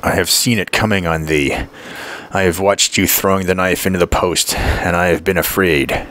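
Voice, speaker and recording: A man's voice: low-pitched, fairly even intonation, normal speed, a bit bright, no echo. A man voicing a stern, anxious middle-aged mother who gives firm, urgent orders, in an audiobook reading. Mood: tender.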